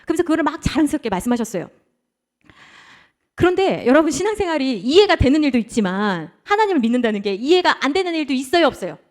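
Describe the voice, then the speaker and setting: High, animated woman preaching a sermon. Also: fast. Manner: animated, acts out quoted dialogue with rhetorical questions. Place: church.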